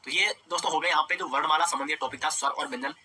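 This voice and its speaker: A young male teacher gives an online Hindi grammar lesson in a very bright, slightly husky voice pitched a little high. He walks through each point with rhetorical questions and keeps checking in with his students. He speaks close to the mic, as in a screen-recorded class. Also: fairly even intonation, racing. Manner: explains step by step with rhetorical questions, repeats "dosto" and "theek hai". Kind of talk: online exam-prep lecture.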